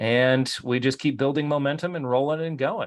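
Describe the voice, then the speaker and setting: Against a quiet background, a man with a plain, everyday voice talks at a fairly quick pace with ordinary pitch variation. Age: 30s. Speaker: business coach. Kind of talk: workshop presentation.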